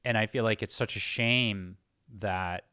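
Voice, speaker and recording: A man's voice: fairly low pitch, fairly even intonation, unhurried, bright, forceful tone, clean tone, dry recording, clean studio sound. A man hosting a casual interview, thinking aloud and repeating words as he searches for the right phrase. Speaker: interviewer, host. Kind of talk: casual reflective conversation.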